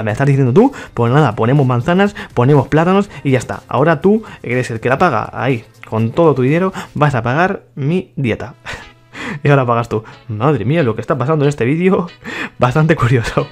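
A man giving casual, mock-exasperated commentary on his gameplay and talking to his viewers. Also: medium pitch. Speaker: gaming YouTuber.

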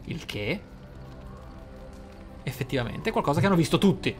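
Male let's player, amused and reflective, chatting casually through a role-play game with clear music underneath. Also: a little high, big pitch swings, normal speed.

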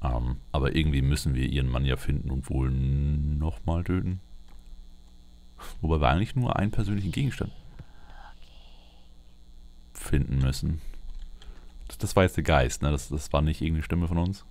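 A man's voice: a bass voice, normal speed, long pauses, a little mellow, a little hiss or hum. A man doing video game commentary, with muttered asides. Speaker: let's player.

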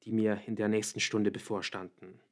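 A man's voice: lowish voice, little pitch movement, normal speed. Man reading an audiobook evenly. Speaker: audiobook reader. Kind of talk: audiobook narration.

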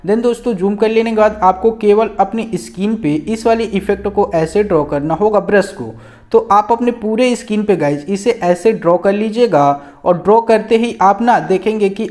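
Hosting his channel, a man walks viewers step by step through a photo editing app in a casual, chatty way. His voice sits high with a darkish tone, and he keeps calling out to "friends" and "guys," dropping filler words and particles constantly.

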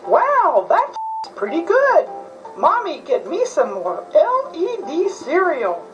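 Very high-pitched eager child. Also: female voice, wildly swooping pitch, slow pace, heavily acted. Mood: eager delight. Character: eager young child in a cereal commercial. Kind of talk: parody TV advertisement acting. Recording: dull, distant tape playback with music.

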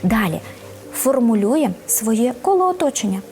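A woman giving practical advice as an interview guest, often checking in with a quick "right?". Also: a little high, soft background music. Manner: lively advice-giving with frequent "да?" check-ins.

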